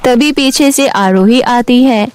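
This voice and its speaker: A woman's voice: fairly high pitch, slow, clean tone, no room sound. A woman giving scripted narration for a cartoon fairy tale.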